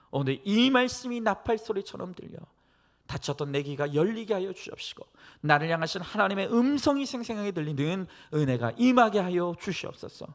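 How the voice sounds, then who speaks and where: A male pastor preaching and praying earnestly to a congregation, exhorting them with phrases that swell from hushed to emphatic. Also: high-pitched, gravelly. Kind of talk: sermon and prayer to a church congregation.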